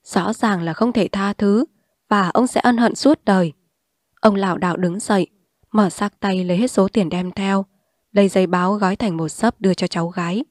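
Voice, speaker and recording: Calm woman reading a story aloud. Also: medium pitch, normal speed, no room sound, clean studio sound. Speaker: audiobook narrator. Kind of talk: scripted story narration.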